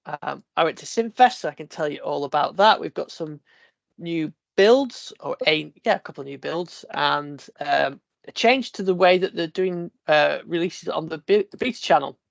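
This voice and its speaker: A man's voice: fairly high pitch, normal speed, creaky, no echo. Brief: man, podcast host fighting a cold, sniffly, rambling with fillers, dull dry lo-fi sound. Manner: rambling, many fillers and restarts. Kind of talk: casual tech podcast chat.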